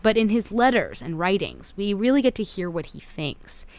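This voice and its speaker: A woman reporter giving measured, scripted narration for a radio feature. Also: medium pitch, big pitch swings, a little mellow, no echo.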